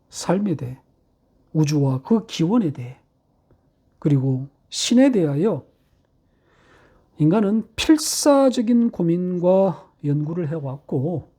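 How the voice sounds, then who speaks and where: A middle-aged male pastor preaching a sermon, posing rhetorical questions and slowing down to stress key phrases. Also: high voice, dark tone, slightly rough. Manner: rhetorical questions, measured delivery with slowed emphatic phrases.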